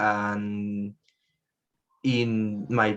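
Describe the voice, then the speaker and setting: A man with a fairly low pitch speaks with ordinary pitch variation. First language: Spanish. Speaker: acting student and musician. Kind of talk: group interview on video call. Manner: halting, many hesitations.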